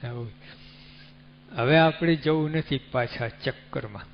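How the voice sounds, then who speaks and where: Male preacher, measured sermon delivery, faint hum in the background. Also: medium pitch. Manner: unhurried, teaching with rhetorical questions and animal examples. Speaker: religious speaker. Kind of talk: devotional sermon. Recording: dull lo-fi recording with faint hum.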